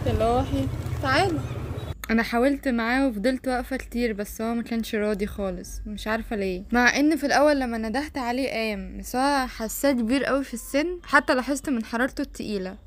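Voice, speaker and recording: A woman's voice: a little high, quick pace. A woman with an Egyptian Arabic accent vlogging outdoors, chatting and coaxing street animals in a teasing way. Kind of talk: casual vlog narration and talking to street animals. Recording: loud street traffic noise behind.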